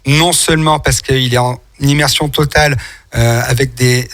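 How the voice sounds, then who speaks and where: A man's voice: medium pitch, steady tone, normal speed, a bit bright. A man from France hosting a local radio interview in a chatty, wordy way, rambling and repeating words as he goes. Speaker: radio host.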